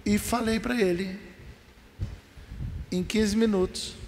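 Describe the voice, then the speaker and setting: Man, Brazilian accent, pastor, lively colloquial storytelling, high-pitched, long church hall reverb. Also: slow pace, a little hiss or hum. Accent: Brazilian Portuguese. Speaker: pastor on a panel.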